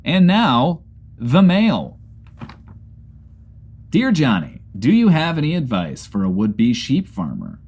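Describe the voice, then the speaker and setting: A man's voice: medium pitch, wildly swooping pitch, slow, long pauses, a little mellow, slightly rough. Grandiose mock-formal radio host man. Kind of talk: comic radio host reading mail.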